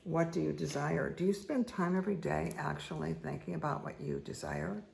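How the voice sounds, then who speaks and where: A middle-aged woman with a hoarse, croaky voice, slowly reading cards and giving soft, repetitive spiritual guidance. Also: deep voice, sing-song, a little hiss or hum. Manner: slow, soothing, repetitive guidance with asides. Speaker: spiritual reader and meditation guide. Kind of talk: casual spoken card reading.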